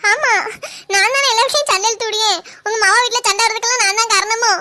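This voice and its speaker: A woman voices a young daughter-in-law who quickly argues back in an indignant tone. Her voice is very high and bright, and she talks fast. It is a comic family skit.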